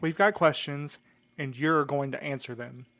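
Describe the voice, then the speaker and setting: Exasperated man with a higher-pitched voice. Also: fairly even intonation, normal speed, a bit bright. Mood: threatening. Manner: blunt, exasperated, threatening. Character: short, hot-tempered, heartbroken man hunting for answers. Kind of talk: scripted audio drama acting.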